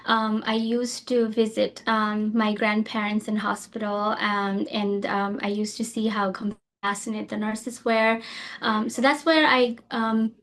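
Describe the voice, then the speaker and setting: A woman's voice: medium pitch, level tone, a little slow, a bit bright. A woman from Nepal, a nurse practitioner, answering interview questions casually with many fillers and restarts.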